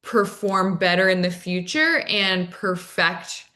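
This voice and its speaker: A woman's voice: on the low side, expressive, slow pace, pushed and bright. A woman speaking as a dating coach guest in an interview, giving articulate, explanatory advice and posing rhetorical questions.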